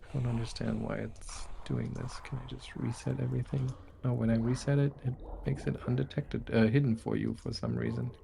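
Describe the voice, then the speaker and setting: A man acting as game master, narrating a tabletop game in a relaxed way and thinking aloud as he checks dice rolls over an online call. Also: mid-range voice, a little fast, creaky, few pauses, noisy background.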